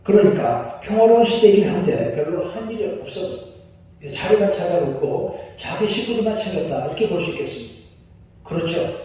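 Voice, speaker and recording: A man's voice: sits high, dark tone, far from the mic. A man preaching a sermon as pastor, in a conversational way, often asking the congregation questions. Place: church sanctuary. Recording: echoey hall, voice picked up from afar.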